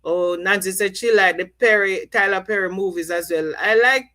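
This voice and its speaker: A woman's voice: medium pitch, moderate pace, bright, forceful tone. A middle-aged woman from Jamaica, chatting casually on a live stream and repeating herself as she reads out viewer comments. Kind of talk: casual chat.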